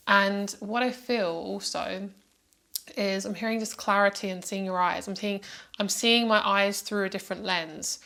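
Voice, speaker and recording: A woman reads tarot cards in a casual, chatty style at a middling pitch. She meanders from one impression to the next and speaks directly to the listener in a reassuring way. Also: fairly bright tone. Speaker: tarot card reader. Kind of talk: casual intuitive tarot reading to viewers.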